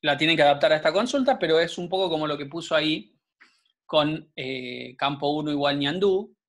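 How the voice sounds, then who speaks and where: A man's voice: fairly high pitch, brisk, a bit bright. A man, teaching an online programming class patiently, checking in with students often. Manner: patient, explanatory, frequent check-ins with students.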